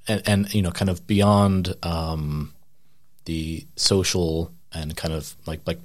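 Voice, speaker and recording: A man interviewing a guest, asking measured questions with many hedges. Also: deep voice. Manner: measured, hedging with "kind of".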